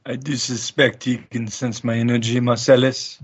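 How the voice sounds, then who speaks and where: A man voicing a solemn, polite and mysterious supernatural being in a tabletop game, in measured, formal speech. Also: mid-range voice, level tone, breathy edge, highs cut off, natural voice. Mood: reserved. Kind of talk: in-character tabletop roleplay.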